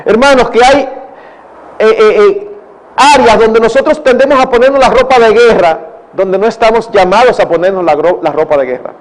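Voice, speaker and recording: A man's voice: high voice, normal speed, rough recording. An older man with a Dominican accent, a pastor answering questions at a church conference, earnest and digressive, calling the audience brothers. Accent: Dominican Spanish. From Dominican Republic. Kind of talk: conference Q&A talk.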